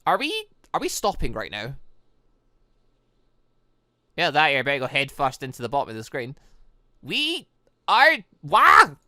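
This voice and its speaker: An animated host commentates a visual novel playthrough in a bright, forceful voice. The pitch swings widely through exclamations and rambling asides, and the sound is dry. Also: unhurried, long pauses, no room sound. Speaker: gaming channel host. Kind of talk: playthrough commentary mixed with reading game dialogue aloud.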